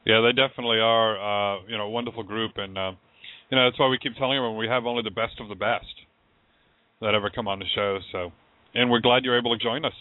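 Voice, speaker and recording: Low-voiced host on a phone line. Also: male voice, steady tone, fast, no room sound. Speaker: show host. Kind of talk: casual interview. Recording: dry tinny phone line.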